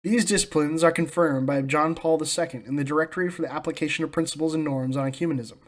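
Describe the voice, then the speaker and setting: A man's voice: on the high side, steady tone, fast talker. An American man hosting a scripted religious commentary, speaking in a solemn, emphatic and declarative manner. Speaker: host of a religious commentary channel.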